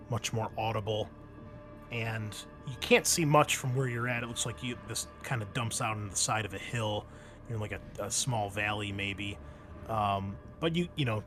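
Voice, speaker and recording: A man narrating a tabletop roleplaying game as game master, in a halting, descriptive, conversational way. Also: lowish voice, fairly bright tone.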